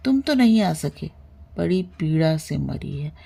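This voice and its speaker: A woman voicing a grieving, stern widowed older village man who speaks in a heavy, halting way in a storybook reading. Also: deep voice, animated, vocal fry, warm tone, husky, pitched below the performer's own voice, full character voice.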